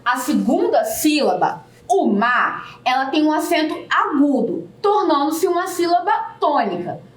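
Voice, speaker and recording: A woman teaches a recorded video lesson. Her voice is high, and she breaks words into syllables at a slow, careful pace. She sounds a little far from the mic in an echoey room. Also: sing-song. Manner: slow, deliberate syllable-by-syllable explanation.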